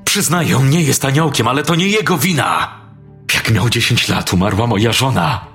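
A man's voice: medium pitch, moderate pace, fairly bright tone, natural voice. An actor playing a desperate father begging for his son's life, frantic and pleading, in a dramatized audio story. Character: desperate pleading father, middle-aged man. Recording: faint music behind.

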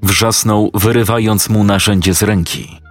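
Low-voiced male storyteller. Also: measured pace, soft background music. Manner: steady, matter-of-fact storytelling. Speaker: narrator. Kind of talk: scripted narration.

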